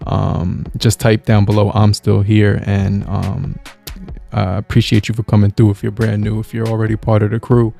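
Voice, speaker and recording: A man giving a relaxed, casual product review, talking with many halting fillers. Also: lowish voice, creaky. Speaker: gear reviewer. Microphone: podcast mixer with microphone.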